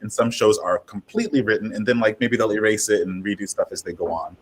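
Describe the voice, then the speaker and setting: A man's voice: fairly low pitch, fast, breathy edge. A man speaking casually as a panelist, in a conversational way sprinkled with "like". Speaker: panelist, audio drama maker.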